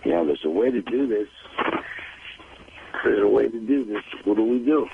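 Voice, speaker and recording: A man's voice: on the low side, animated, moderate pace, vocal fry, background noise. A streetwise man bantering casually as a radio show guest, with some profanity, over a dull lo-fi line.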